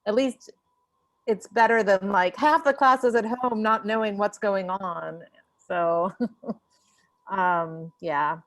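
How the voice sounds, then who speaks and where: A woman's voice: medium pitch, very slow, pauses often. A woman teaching an online French class over a video call, mixing French and English as she encourages her students.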